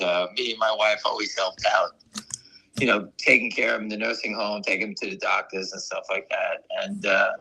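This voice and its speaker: Hoarse gravelly man chatting. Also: on the low side, sharp tone, low-quality recording. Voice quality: gravelly, raspy. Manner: rambling, chatty storyteller. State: hoarse from weeks of coughing. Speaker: guest on a stock market stream. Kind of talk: casual chat.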